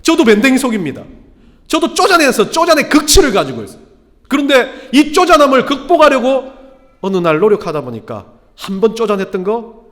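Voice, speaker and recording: A man's voice: high voice, a bit bright. A male pastor in his thirties preaching a sermon, telling stories with self-deprecating humor and building to emphatic exclamations. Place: church sanctuary. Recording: long church hall reverb.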